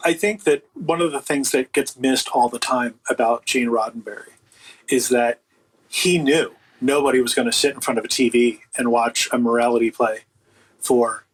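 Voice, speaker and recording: A man's voice: medium pitch, steady tone, normal speed, husky, low-quality recording. A man speaking as an interview guest, chatting casually and giving his opinions in an emphatic, colloquial way. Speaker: interview guest, audio book producer.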